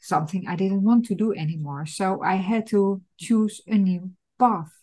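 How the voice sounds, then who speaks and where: A woman speaks at a fairly slow pace, her voice somewhat breathy. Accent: Dutch. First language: Dutch. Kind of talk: casual interview.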